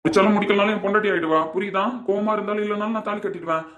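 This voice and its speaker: A man's voice: sits high, fairly even intonation, racing, a bit bright. A man playing a possessive young company boss who gives commands and insists on his way. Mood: bossy. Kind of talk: Tamil comedy romance skit. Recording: echoey room.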